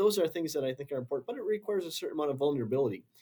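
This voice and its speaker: This man has a slight Wisconsin accent. His pitch swings very widely. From rural Wisconsin. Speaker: corporate communications director. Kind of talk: casual interview conversation.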